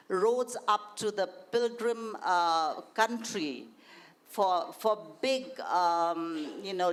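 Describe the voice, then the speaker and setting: At a panel discussion, a woman with a posh, educated Indian accent and a voice on the low side shares anecdotes and opinions. She speaks earnestly, if a little haltingly.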